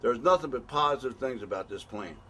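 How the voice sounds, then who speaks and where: A middle-aged American man speaks in a plain, mid-pitched voice, blunt and worked up. He pleads and scolds by turns, stumbling over words and starting again, like a regular guy making a heated appeal. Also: animated, fairly quick, fairly bright tone. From United States. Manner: blunt, angry, pleading, with many restarts. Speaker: patient advocate. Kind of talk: impassioned spoken appeal.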